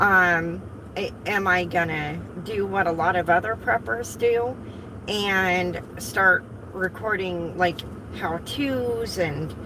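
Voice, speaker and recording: Against noticeable background noise and audible room echo, a woman with a fairly low pitch talks at a very slow pace with lively intonation. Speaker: prepping channel host. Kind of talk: casual live chat. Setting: in a car. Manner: halting.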